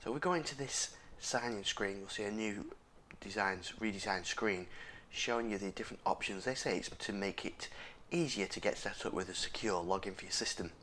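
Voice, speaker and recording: A man's voice: lowish voice, brisk, few pauses, sharp tone. A man with a scratchy, sore voice, casually hosting a tech walkthrough with frequent fillers and restarts. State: hoarse, sore throat. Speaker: tech video host. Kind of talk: casual screen-recorded walkthrough.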